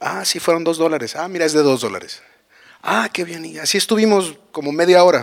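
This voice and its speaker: In a normal speaking voice, someone talks at a fairly quick pace with ordinary pitch variation. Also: man. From Los Angeles area, US (born in Guadalajara). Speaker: US army veteran. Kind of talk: live storytelling. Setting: stage with audience.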